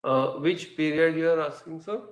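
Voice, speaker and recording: Indian guy, company exec on an earnings call, halting measured answers, echoey room sound. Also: on the high side. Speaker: company executive answering analysts.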